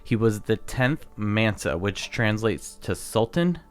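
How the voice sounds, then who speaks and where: Young male podcast co-host, low voice, loose storytelling with stumbles, faint music bed. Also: big pitch swings, takes it slowly. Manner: reads facts aloud with stumbles, laughs at his own pronunciations. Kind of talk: casual storytelling chat.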